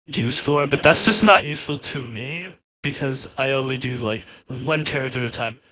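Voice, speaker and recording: A man giving a casual, rambling software walkthrough, his voice processed by a real-time AI voice changer. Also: mid-range voice, poor audio. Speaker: host demonstrating voice changer software.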